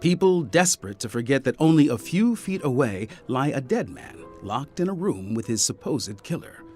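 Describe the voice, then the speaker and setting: A man narrating a scripted audio mystery drama as a polished, deliberate storyteller. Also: medium pitch, big pitch swings, a little mellow, soft background music, lightly acted. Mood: storytelling.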